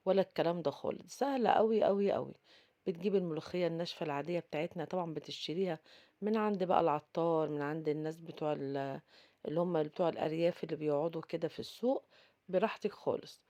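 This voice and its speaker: Fast-chatting Egyptian woman cooking host. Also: fairly low pitch, dark tone. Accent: Egyptian Arabic. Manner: chatty, addresses viewers directly, frequent fillers. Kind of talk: casual cooking tutorial.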